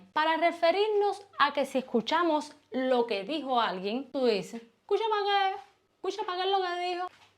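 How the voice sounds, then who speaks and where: Over a quiet background, a woman with a Cuban accent speaks in a relaxed tone at an extremely high pitch, with very wide pitch swings. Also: moderate pace. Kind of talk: casual talk to camera. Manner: relaxed, chatty.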